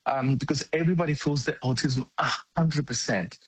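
A man's voice: a little high, fairly quick, husky, dry recording, low-quality recording. A middle-aged man from Greece, giving blunt, earnest interview answers with occasional restarts. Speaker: interview guest.

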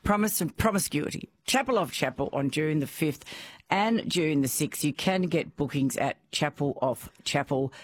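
A woman's voice: low-pitched, moderate pace. A woman with an Australian accent hosting a chatty radio interview, teasing and effusive with her guest. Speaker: radio host.

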